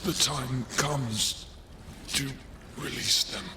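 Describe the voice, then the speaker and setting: An actor playing a weary, despairing old soldier in a video game, speaking in a strained, halting, solemn way over watery background noise. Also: male voice, mid-range voice. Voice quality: gravelly, strained. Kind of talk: video game cutscene acting.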